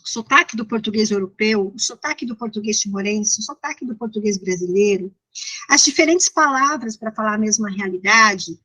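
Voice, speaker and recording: A woman's voice: mid-range voice, fairly quick, sharp tone, rough recording. A Brazilian woman with a São Paulo accent giving an informal, interactive lecture in a didactic, conversational way that checks in with listeners. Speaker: university lecturer.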